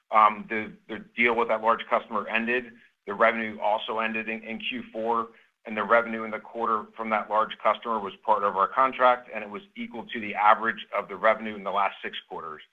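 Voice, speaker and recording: A man speaking as a company chief executive, giving measured, explanatory answers to analysts on an earnings call. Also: fairly low pitch. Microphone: conference call line. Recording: muffled phone-line conference call.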